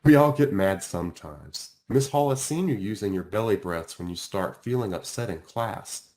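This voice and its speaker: A man playing a kindly, patient male school counselor in a storybook, speaking in a gentle, explanatory way. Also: lowish voice, animated, normal speed, pitched below the performer's own voice, close to an everyday voice. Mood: reassuring.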